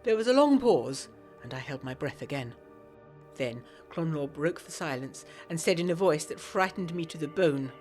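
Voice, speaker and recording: A woman's voice: deep voice, lively intonation, moderate pace, darkish tone, soft background music. A woman playing a prim, resolute young woman, narrating a period audio drama in the first person with formal diction and wry asides. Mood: tense. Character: prim, secretive, resolute young woman telling her gothic tale.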